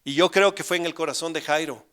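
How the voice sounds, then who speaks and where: A middle-aged male pastor preaching a sermon, acting out urgent pleas with rising intensity and then dropping to hushed, grave tones. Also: on the high side, fast, clear, resonant tone.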